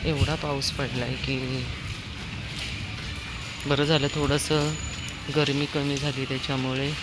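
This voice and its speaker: Low-voiced woman vlogging on a noisy street. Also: level tone, takes it slowly. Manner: chatty, talks to her dog between remarks to viewers. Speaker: dog owner vlogger. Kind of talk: casual vlog narration. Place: outdoors on a rainy street. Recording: noisy outdoor street recording. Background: street noise with passing vehicles.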